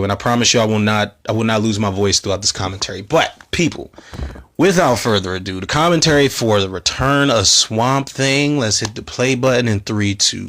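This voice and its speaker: Hoarse-ish guy doing a movie commentary, rambling, swears a lot, mid-range voice. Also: medium pitch, a bit bright. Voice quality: rambling, profane, self-interrupting. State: slightly hoarse. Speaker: movie commentary podcast host. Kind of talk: casual film commentary.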